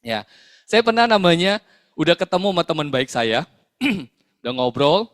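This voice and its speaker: A man's voice: on the high side, very animated, normal speed, fairly bright tone, dry recording, studio quality. A man, a sales team leader giving a motivational talk to his team, full of fillers and tag questions.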